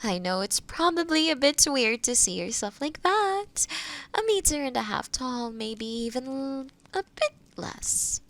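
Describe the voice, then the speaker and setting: A woman playing a kind, gentle witch in a fantasy audio roleplay, speaking to the listener in a reassuring, explanatory way. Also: high voice, sing-song, measured pace, full character voice. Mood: tender, delighted. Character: kind, gentle forest witch guiding a transformation.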